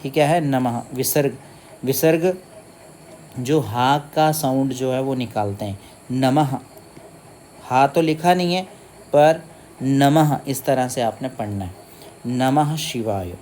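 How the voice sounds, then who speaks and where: A man teaches a Sanskrit stotram. He splits the words syllable by syllable and then chants them slowly and melodically. He asks his own questions and answers them himself. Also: medium pitch, a little mellow, slight background noise.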